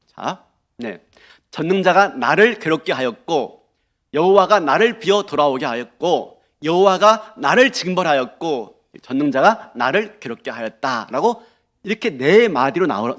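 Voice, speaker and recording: A male pastor preaching a sermon in an animated way, often asking the congregation questions. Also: fairly high pitch.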